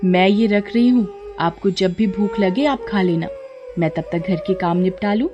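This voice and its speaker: A woman's voice: medium pitch, normal speed, muffled recording, over music, close to an everyday voice. A woman voicing a devout, innocent and stubborn young village girl who talks earnestly and pleads with her god. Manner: earnest, pleading, chatty devotion.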